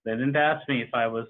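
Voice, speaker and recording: A man from Pakistan, recounting a personal story to a group in a conversational way. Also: mid-range voice. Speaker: participant. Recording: tinny call audio.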